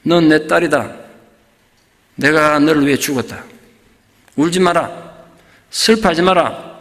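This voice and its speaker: The gentle, consoling voice of a fatherly God, as a preacher gives it voice. It sits a little higher than most men's and trails off into a long, hall-like reverb. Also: unhurried.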